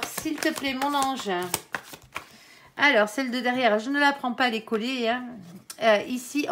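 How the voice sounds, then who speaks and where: With a voice on the high side, this tarot reader chats informally to viewers, peppering her talk with "hein" and "euh" and calling them "mon ange." Flipping cards, she reasons aloud, laughs, and corrects herself along the way.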